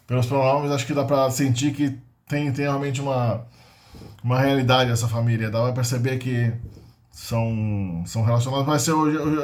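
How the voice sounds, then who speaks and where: A man giving an informal linguistics lesson, explaining patiently and sounding out foreign words. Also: mid-range voice. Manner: explains slowly with many fillers and restarts, sounds out foreign words. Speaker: linguistics channel host.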